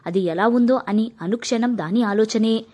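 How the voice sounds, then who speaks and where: A woman voicing a stern middle-aged mother who is proud and fierce about family honour, talking in a sharp, scolding way. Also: a little high, moderate pace, lightly acted. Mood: pained, firm. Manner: sharp and scolding, softening into grief.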